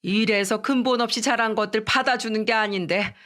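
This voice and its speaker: Domineering older mother-in-law, slow scornful scolding, played by the woman narrator. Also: on the high side, steady tone, a bit bright, lightly acted.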